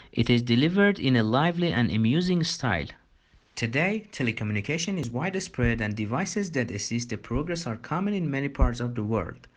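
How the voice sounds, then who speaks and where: Animated man reading passages aloud. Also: medium pitch. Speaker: exam practice reader.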